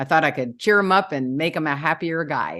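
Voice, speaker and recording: In a normal speaking voice, a woman talks at a fairly quick pace with ordinary pitch variation against a quiet background. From New York City. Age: 60s. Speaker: author. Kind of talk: interview.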